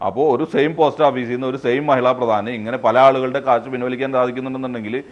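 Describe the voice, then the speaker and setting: Giving an unplanned interview about the fraud he suffered, a Thrissur, Kerala man talks in a steady, mid-range voice. He pauses and hunts for words often, dropping in English terms, all on a muffled recording.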